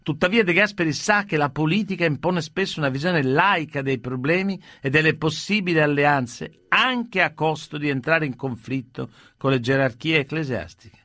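A man's voice: fairly high pitch, normal speed, bright, forceful tone, no room sound, clean studio sound. A man presenting a history documentary in scripted narration, introducing the people who speak.

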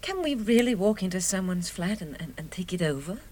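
A woman's voice: lowish voice, sing-song, a little fast. An actress with a British accent playing an anxious, genteel young woman, hesitant and emotional, in the style of 1960s radio drama. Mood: hesitant, uneasy. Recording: noisy old radio drama recording.

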